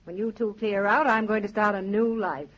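A woman's voice: medium pitch, fairly even intonation, lightly acted. An actress playing a practical, dryly witty middle-aged mother in a 1940s radio drama. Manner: brisk, practical, dry humor. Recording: muffled old radio broadcast with faint hiss.

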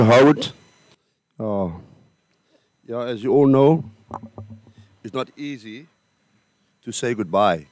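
A man's voice: mid-range voice, a little mellow. An older South African man giving a funeral address outdoors at a cemetery, speaking plainly and personally into a stand mic. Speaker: pastor.

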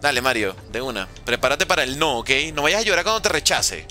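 A man with a medium-pitched, sharp voice speaks a little fast with big pitch swings over soft background music. He's a gaming streamer chatting casually, playful and slangy, reading his viewers' messages aloud and responding with jokes.

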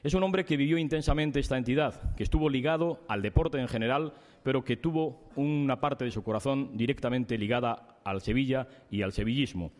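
A middle-aged man giving a formal ceremonial speech at a podium microphone, measured and solemn, building his points in lists of phrases. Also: medium pitch, a little mellow. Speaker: speaker at a club awards ceremony. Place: large indoor reception hall. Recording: reverberant hall via PA.

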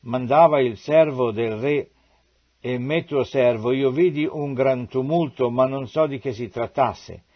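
A man's voice: medium pitch, a little slow, natural voice. An eager young messenger, read by a man, pleading and urgent. His voice rises slightly above the reader's own. The recording sounds dull and lo-fi.

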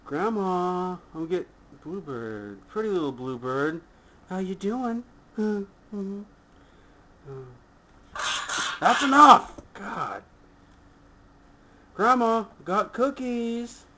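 A man voicing a sassy, deadpan young Red Riding Hood in an improvised puppet comedy skit. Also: high voice, very slow, long pauses, pitched above the performer's own voice, exaggerated voice. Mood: innocent, skeptical. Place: small room at home. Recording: noisy home camera audio.

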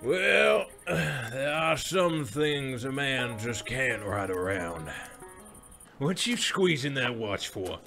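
A man's voice: mid-range voice, animated, slow pace, gravelly, sharp tone, soft background music, full character voice. A man voicing a world-weary, wry cowboy with a folksy drawl. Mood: weary, scolding.

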